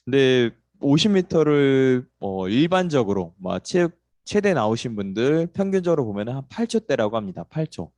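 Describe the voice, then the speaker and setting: A man's voice: medium pitch, big pitch swings, normal speed, darkish tone, dry recording. A man hosting an online morning session, talking in a chatty way with many fillers before he introduces the speaker. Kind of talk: casual introductory talk.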